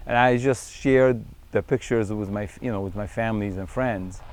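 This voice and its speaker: A middle-aged man from Syria, a wildlife photographer, talking in a reflective, unhurried way in a profile interview, with frequent fillers and restarts. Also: fairly low pitch, darkish tone, slight background noise.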